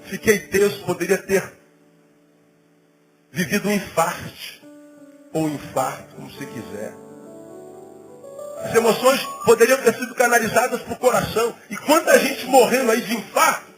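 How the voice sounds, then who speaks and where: A middle-aged man, a pastor, preaching a sermon in a conversational, animated way with emphatic rising peaks, music in the background. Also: very high-pitched, normal speed, pauses often, rough recording. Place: church.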